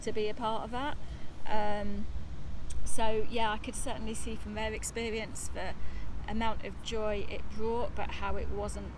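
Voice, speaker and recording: A woman giving a reflective interview answer, hesitant and thoughtful with many pauses. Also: medium pitch, level tone. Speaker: interviewee, heritage project researcher. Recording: noisy background.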